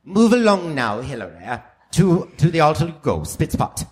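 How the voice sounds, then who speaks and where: A man's voice: fairly high pitch, very animated, moderate pace. A man playing an imperious, crude elderly queen in a comic sketch radio play, haughty and scolding. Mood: commanding.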